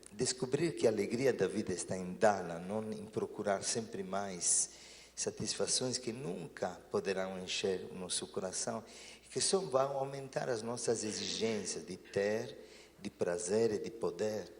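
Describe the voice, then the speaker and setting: A priest telling stories and reflecting earnestly in a talk show conversation. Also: male voice, on the low side, normal speed, long reverb tail.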